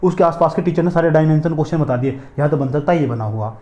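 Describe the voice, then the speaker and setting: Fast-talking male physics teacher, echoey room. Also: a little high, warm tone, muffled recording. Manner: repetitive, drilling questions to students. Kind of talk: classroom lecture. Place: classroom.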